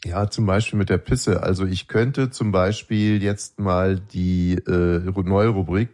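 A man with a somewhat low voice co-hosts a podcast in loose, casual banter. He rambles ironically and pads his talk with plenty of filler sounds. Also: steady tone, a little slow, darkish tone. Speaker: podcast and radio co-host.

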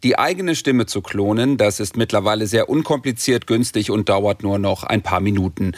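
A man's voice: on the low side, normal speed, dry recording. A man reporting a radio news feature in a plain, matter-of-fact, lightly wry way.

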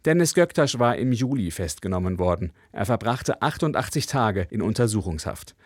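A man reporting for radio as a correspondent, with measured, even delivery. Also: fairly low pitch, breathy edge, dry recording, studio quality. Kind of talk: news report.

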